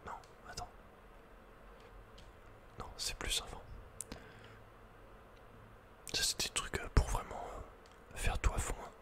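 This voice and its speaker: Whispering man doing gaming ASMR. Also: unhurried. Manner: whispering throughout. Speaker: ASMR gamer host. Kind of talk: whispered ASMR video game playthrough.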